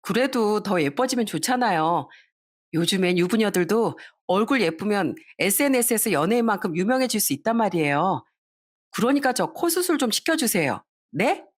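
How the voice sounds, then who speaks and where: A woman's voice: mid-range voice, sing-song, normal speed. Woman reading as a whiny, spoiled daughter-in-law. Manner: whiny, petulant, sharp-tongued. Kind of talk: storytelling radio drama.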